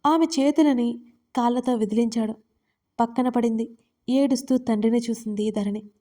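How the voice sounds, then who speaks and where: Warm-voiced woman storyteller. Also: on the high side, moderate pace. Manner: calm, steady reading. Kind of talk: scripted story narration.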